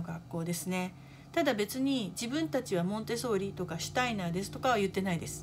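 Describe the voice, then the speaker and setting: A woman's somewhat breathy voice at a fairly quick pace, with very wide pitch swings. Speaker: vlogger, university admissions worker. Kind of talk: casual video monologue.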